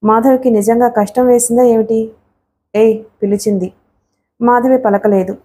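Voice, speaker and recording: A woman reads a novel aloud in a steady, even storytelling manner. Her voice sits fairly high, with a soft, mellow tone. The delivery is scripted audiobook narration. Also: moderate pace.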